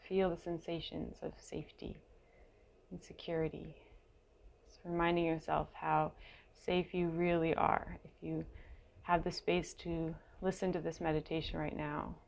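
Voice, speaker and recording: A woman leading a guided meditation in a gentle, unhurried way, leaving long pauses between short phrases, with a creaky voice. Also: low voice, flat delivery, slight background noise. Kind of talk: guided meditation, slow and soothing.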